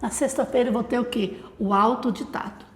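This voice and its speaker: Brief: Brazilian woman teacher, higher voice, talks teachers through a method with rhetorical questions, echoey room. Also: fairly quick. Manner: explanatory, with rhetorical questions to the audience. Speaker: literacy teacher.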